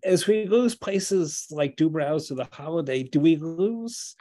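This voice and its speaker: Older man, interviewer, video call, middle pitch, chatty rambling questions. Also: lively intonation, unhurried, mellow. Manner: chatty, asks long rambling questions, frequent affirming.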